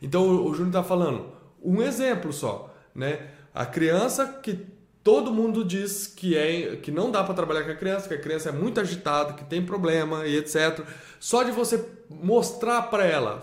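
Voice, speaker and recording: A Brazilian man with a fairly high voice talks about raising children in a casual, emphatic chat. He keeps repeating points and tacking on little tag questions. The sound carries a clear echo from the room around him. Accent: Brazilian Portuguese. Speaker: homeschooling father. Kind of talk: casual podcast conversation.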